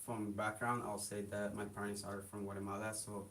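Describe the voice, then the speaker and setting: A young man from Mexico, a guest in an interview, speaks haltingly with many fillers and restarts. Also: fairly low pitch, flat delivery, fairly bright tone. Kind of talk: casual interview. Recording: hiss, distant from the mic.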